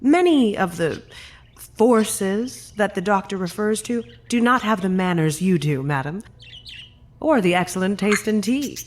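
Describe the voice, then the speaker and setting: A man's voice: high voice, lively intonation, unhurried, a little hiss or hum. A senior agent of a secretive organization in an audio drama. He is solemn and courteous. His phrasing is formal and eloquent.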